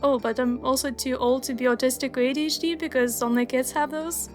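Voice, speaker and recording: A woman's voice: high-pitched, steady tone, fairly quick, a little mellow, faint music behind. A young woman whose first language is Russian, narrating a scripted video essay in an earnest, wry, explanatory way. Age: young adult.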